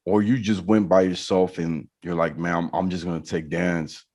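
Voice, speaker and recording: A man's voice: deep voice, flat delivery, normal speed, darkish tone. A man hosting a podcast, asking his guest friendly, curious questions in casual chat. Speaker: podcast host.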